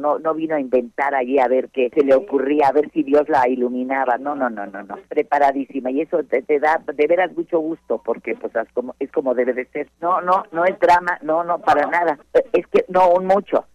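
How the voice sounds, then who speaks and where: Effusive Mexican actress on a dull line. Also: female voice, deep voice, dry recording. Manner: effusive, repeats words, many "no, no, no" asides. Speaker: stage actress giving an interview. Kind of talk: casual interview chat.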